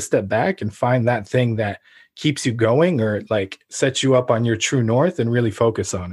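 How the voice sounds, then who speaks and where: Here is a man with an ordinary speaking voice and a medium pitch. His intonation is fairly even, on a very clean recording with a silent background. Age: 30s. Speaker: podcast host. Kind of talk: casual interview.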